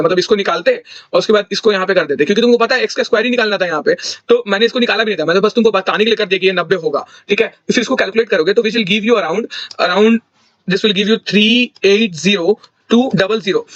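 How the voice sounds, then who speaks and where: A man's voice: high-pitched, fairly bright tone, no room sound, dull audio. A young man casually walking through exam solutions, thinking aloud and correcting himself mid-sentence. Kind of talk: casual explanatory walkthrough.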